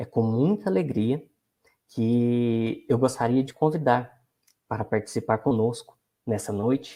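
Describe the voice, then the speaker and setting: A man speaks in a Minas Gerais accent. His tone is dark and mellow, and his pace fairly slow. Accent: Minas Gerais (mineiro). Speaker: moderator of a spiritist study program. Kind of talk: moderated livestream discussion, introducing guests. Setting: online livestream. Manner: warm, slightly halting.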